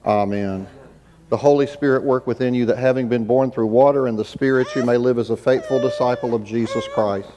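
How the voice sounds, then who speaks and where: A man's voice: medium pitch, fairly even intonation, warm tone. Male pastor praying in cathedral-like echo. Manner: measured, ceremonial phrasing. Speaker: pastor leading a baptism. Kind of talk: church liturgy, formal spoken prayer. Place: large church sanctuary. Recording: echoey church hall, long reverb.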